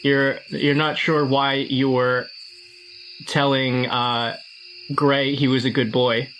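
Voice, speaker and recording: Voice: mid-range voice, little pitch movement, takes it slowly, a bit bright, faint music behind, rough recording. A tabletop game player chatting casually and describing a character's moves.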